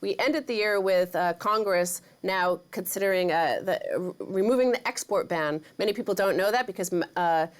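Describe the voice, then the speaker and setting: Woman host, mid pitch, stumbly long questions, lots of restarts. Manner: halting, with many false starts. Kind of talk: interview questions.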